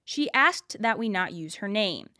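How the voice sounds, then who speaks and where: A woman's voice: medium pitch, lively intonation, a little slow, sharp tone, dry recording, studio quality. A young woman narrating a scripted news report as a student radio reporter. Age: young adult.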